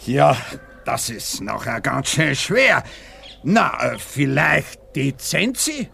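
A man's voice: mid-range voice, very animated, slow, gravelly, bright, forceful tone, slight background noise, full character voice. A man playing a rustic, grumbling farmer with a drawling Bavarian accent in a 1980s children's radio play. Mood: slow, doubtful. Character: slow rustic farmer, grumbling about city folk.

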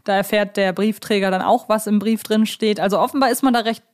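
A woman's voice: mid-range voice, steady tone, fast. A woman co-hosting a podcast in a casual, chatty discussion, putting questions to her partner in a conversational way. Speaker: podcast co-host.

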